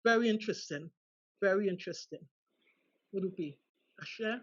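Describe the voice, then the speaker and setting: A woman from Trinidad and Tobago, a guest on a video call, speaking slowly and earnestly. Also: medium pitch, breathy edge, muffled recording.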